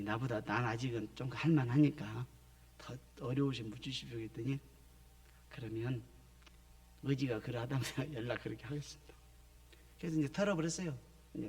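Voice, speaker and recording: A middle-aged male missionary from the Jeolla region preaching in a church, telling his story with acted-out phone calls. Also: medium pitch. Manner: storytelling, acting out phone calls in other voices. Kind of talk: sermon testimony. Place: church sanctuary.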